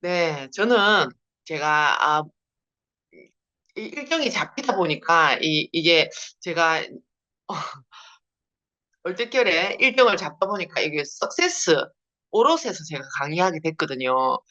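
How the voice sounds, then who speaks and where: A network marketing leader from Busan, speaking with a strong Gyeongsang dialect, gives a chatty seminar over a video call and laughs often. Her lowish voice is very animated and sharp in tone, at a measured pace, and the lo-fi call audio sounds dull.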